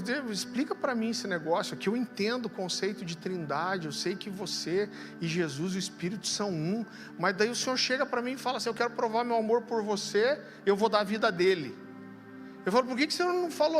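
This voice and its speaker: A man in his thirties with a Brazilian Portuguese accent, a pastor preaching a sermon with humorous stories and quiet intense moments. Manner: humorous storytelling, shifts to low quiet intensity. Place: large church hall. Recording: long hall reverb, faint music.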